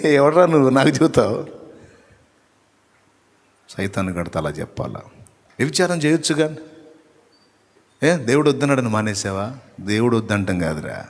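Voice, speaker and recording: A man's voice: medium pitch, big-room sound. A male pastor preaching a live sermon, firing rhetorical questions at the congregation and teasing them with acted asides. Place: church hall.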